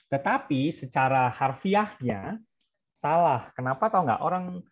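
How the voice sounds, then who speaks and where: A man's voice: fairly high pitch, expressive, unhurried, highs cut off. A man leading a training class, quizzing trainees and mixing English example phrases into his explanations. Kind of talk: interactive online class.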